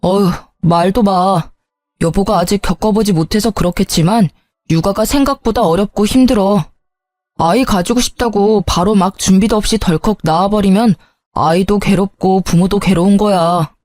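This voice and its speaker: A woman's voice: medium pitch, moderate pace, a little mellow, no room sound, studio quality, natural voice. A woman voicing an irritable young husband who brushes things off and scolds. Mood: dismissive. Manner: curt and scolding, then sheepish.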